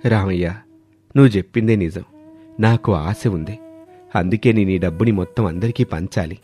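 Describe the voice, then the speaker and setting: A man playing villagers in a moral story, speaking in an earnest, deliberate way. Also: deep voice, warm tone, soft background music, close to an everyday voice. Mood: subdued, troubled. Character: villagers in a moral tale: greedy farmer and wise elder. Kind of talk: acted dialogue in a Telugu moral story.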